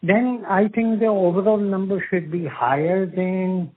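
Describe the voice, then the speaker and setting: A man with an Indian accent asking questions on a business conference call in a halting, methodical way, as an investor or analyst. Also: sits high. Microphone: phone conference call. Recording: narrow, tinny phone line.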